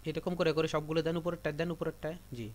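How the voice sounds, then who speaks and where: A man's voice: on the high side, flat delivery, fast talker, a little mellow. A man from Bangladesh teaching a computer class, giving repetitive step-by-step instructions to his students. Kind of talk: live classroom tutorial.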